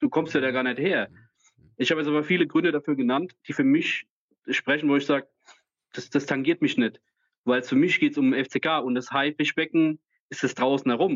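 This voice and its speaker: A man's fairly high-pitched voice at a fairly quick pace, with ordinary pitch variation and long, frequent pauses. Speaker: supervisory board candidate, dental lab technician. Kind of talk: interview. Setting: video call.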